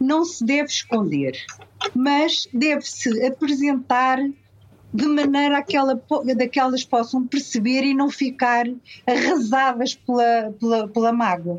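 With noticeable background noise behind her, a woman speaks at a high pitch and a very slow pace, her loudness very even and her pitch varying in an ordinary way. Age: 70s. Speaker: children's book author. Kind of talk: radio interview.

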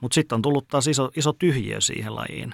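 A man speaking at a fairly quick clip, the sound dry and close with no echo. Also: very clean recording, silent background. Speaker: sports podcast host. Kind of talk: casual chat.

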